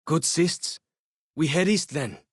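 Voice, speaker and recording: Game role: young tribal scout, curious and sincere, measured storyteller delivery, husky edge, close dry sound. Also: male voice, on the high side, lively intonation, no echo, heavily acted. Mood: friendly. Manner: plain-spoken, measured, storytelling in short phrases. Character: young tribal scout, earnest, curious, loyal to his war leader. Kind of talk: video game character dialogue.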